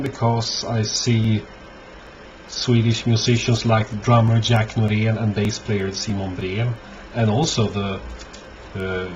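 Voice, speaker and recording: A man giving a casual, unscripted show-and-tell as a collector, halting often and thinking aloud. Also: on the low side, a little mellow. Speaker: record collector presenting finds. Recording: dull lo-fi audio, clear background noise.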